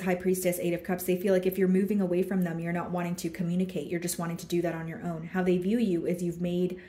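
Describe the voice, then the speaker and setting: In a noticeably echoey room, a woman with a mellow, somewhat low voice does a laid-back tarot reading to camera. She talks through every card as she pulls it, leaning on lots of likes and you knows.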